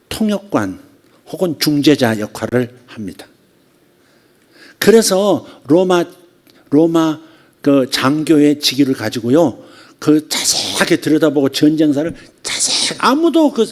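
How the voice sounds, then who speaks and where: A pastor with a slightly high, somewhat mellow male voice preaches a conversational sermon. He poses rhetorical questions and acts out quoted lines with drawn-out repetitions.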